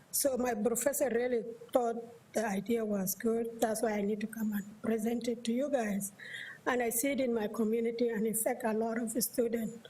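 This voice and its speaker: A woman from South Sudan, a mother of four, reading a prepared letter aloud during public comment, haltingly and with restarts. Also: on the high side, dark tone, poor audio. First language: a South Sudanese language. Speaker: parent speaking at public comment.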